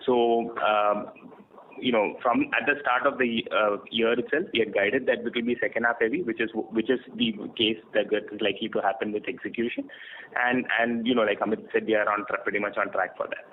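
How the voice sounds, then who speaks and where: A low-voiced man with an Indian accent answers on an earnings call as a finance executive. He is halting and corrects himself as he goes. The line is narrow and phone-like, with a faint noise behind him. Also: fairly even intonation. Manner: halting, hesitant, many pauses and self-corrections. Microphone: conference phone call.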